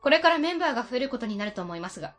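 A woman's voice: a little high, very animated, racing, a bit bright, soft background music. A woman playing a composed middle-aged female ward chief, formal and commanding, in an amateur radio drama. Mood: composed, official. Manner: formal, commanding, crisp politeness.

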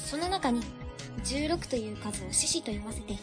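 A woman's voice: fairly high pitch, animated, normal speed, over music, natural voice. An actress playing a polite, methodical young female civil servant in an amateur web radio drama.

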